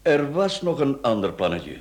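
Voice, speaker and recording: A Flemish man acting in a radio play as a smooth-talking, cheeky rogue, glib, flippant and teasing. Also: medium pitch, big pitch swings, normal speed, darkish tone, lightly acted. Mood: mocking. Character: smooth-talking, cheeky male rogue, a performer under questioning. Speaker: radio drama actor.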